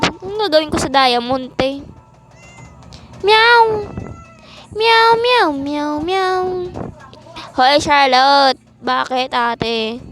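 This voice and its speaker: A woman's voice: high voice, fairly bright tone. A woman voicing a whole family in a playful game role-play, switching between characters.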